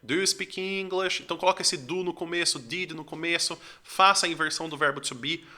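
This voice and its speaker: A man's voice: a little high, fast talker, sharp tone. A young Brazilian man teaching English, talking in a casual, conversational way full of fillers. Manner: conversational, lots of fillers like "tipo assim". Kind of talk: casual talking-head lesson.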